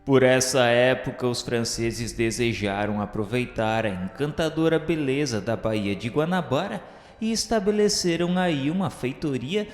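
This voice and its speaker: Male narrator, for a historical radio drama: solemn, measured, declamatory read, heavy echo over a music bed. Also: mid-range voice. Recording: reverberant echoey hall sound with music.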